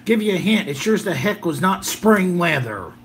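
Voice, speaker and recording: A man's voice: high-pitched, sing-song, moderate pace, fairly bright tone, a little hiss or hum. A slightly tired American man rambling casually through a homemade vlog in a folksy, jokey way. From southern Illinois, United States. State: a little tired. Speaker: gadget video host.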